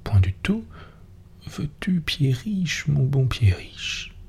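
A man in a whispered role-play, voicing a tender peasant wife who pleads softly with her husband. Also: medium pitch, very animated, slow, creaky, husky, voice pushed up, exaggerated voice. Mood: coaxing. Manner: soft whispered reading.

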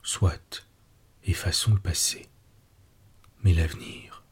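A man's voice: low voice, fairly even intonation, slow, husky, pitched below the performer's own voice, full character voice. Man whispering as an anguished old man. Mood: protesting. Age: older. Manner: urgent, breathless protest.

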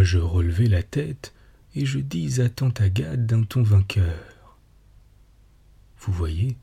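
A man narrating a storybook tale in a hushed, husky voice, lifting his voice for quoted lines. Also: fairly low pitch. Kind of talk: storybook reading. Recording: soft music behind the voice.

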